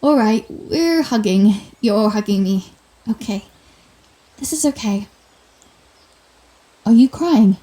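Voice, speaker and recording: A woman playing a proud, sardonic telepathic villain with a secret soft side, in a theatrical, wry manner for an intimate ASMR roleplay. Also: a little high, lively intonation, slow, pauses often. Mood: awkward, comforting. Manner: theatrical, wry, flustered denials, grand pronouncements.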